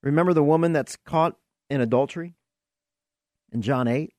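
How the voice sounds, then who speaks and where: A man's voice: a little high, moderate pace, a little mellow, no room sound, studio quality. A man hosting a Christian Q&A podcast, teaching in an earnest preaching style, asking rhetorical questions and repeating words as he searches for them. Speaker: podcast host and Bible teacher.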